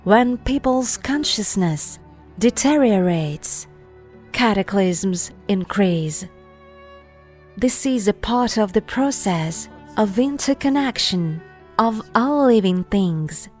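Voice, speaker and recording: A woman reading a scripted spiritual voice-over in a measured, deliberate way, phrase by phrase with pauses. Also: medium pitch, expressive, a little mellow. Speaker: narrator reading an article. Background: music.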